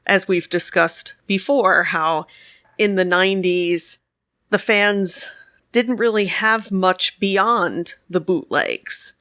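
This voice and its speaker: Bright-voiced chatty woman co-host. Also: medium pitch, slow, dry recording, clean studio sound. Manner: chatty, laughs often, storytelling. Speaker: podcast co-host. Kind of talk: casual conversation.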